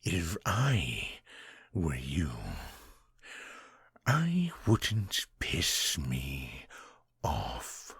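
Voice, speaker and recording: A man voicing a cruel male vampire master who taunts his captive in slow, menacing speech that sinks into whispers. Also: very deep voice, wildly swooping pitch, a bit bright, slightly rough, no echo, studio quality, full character voice. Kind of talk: audio drama acting.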